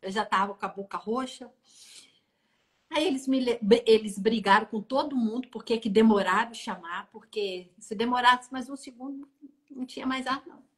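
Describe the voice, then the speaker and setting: A middle-aged woman telling an emotional testimony on a live stream, animated and acting out the voices in her story. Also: on the high side, moderate pace. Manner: animated, acts out dialogue and sounds. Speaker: guest sharing a testimony. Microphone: phone on an online live stream.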